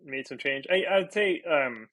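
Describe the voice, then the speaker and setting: A man's voice: mid-range voice, animated, unhurried, fairly bright tone, no echo. A Portuguese-native man from Brazil, a podcast guest, talking casually and thinking aloud with many fillers and restarts. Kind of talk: casual interview talk.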